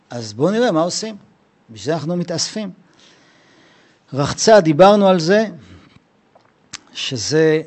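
Teaching a Passover lesson with acted dialogue, an animated man voices both sides of imagined conversations. This Torah teacher's voice is a little high, and his style is slangy and conversational.

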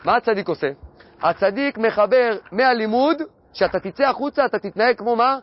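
High-voiced man teaching Torah. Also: muffled recording. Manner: poses questions and answers them himself; repeats key phrases in a steady teaching cadence. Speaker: religious teacher. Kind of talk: Torah lesson.

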